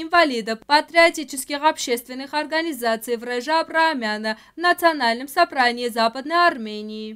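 Against a quiet background, a woman talks at a moderate pace in a high pitch. Her tone is bright and sharp, with ordinary pitch variation. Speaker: news anchor. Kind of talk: news reading. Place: studio.

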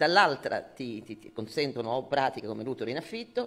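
A man talking at a fairly quick pace. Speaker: panel moderator. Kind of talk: panel question, speech-like. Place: hall. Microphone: podium.

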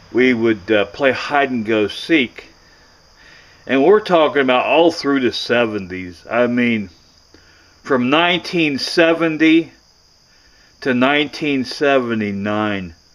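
With lively intonation, a man speaks at a very slow pace, leaving long, frequent pauses. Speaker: vlogger. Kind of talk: casual vlog chat. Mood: nostalgic reminiscing. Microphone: phone near.

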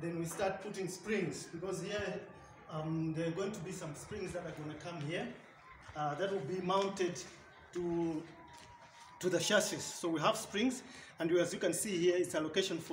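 Speaking at a moderate pace with long, frequent pauses, a man uses fairly even intonation and a high pitch, with audible room echo and light background noise. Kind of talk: tutorial. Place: workshop.

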